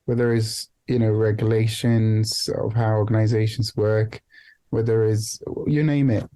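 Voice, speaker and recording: A man reflecting in a podcast interview as a guest, speaking haltingly, repeating and rephrasing his phrases and often adding "you know". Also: on the low side, flat delivery, mellow. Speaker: guest, founder and CEO of a non-profit organization.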